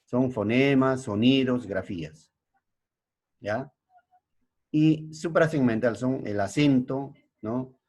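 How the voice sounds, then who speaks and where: A middle-aged male secondary school teacher with a Peruvian Spanish accent gives a slow classroom lesson. He keeps checking in with his pupils. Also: medium pitch, darkish tone. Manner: slow, explanatory, frequent checking tags.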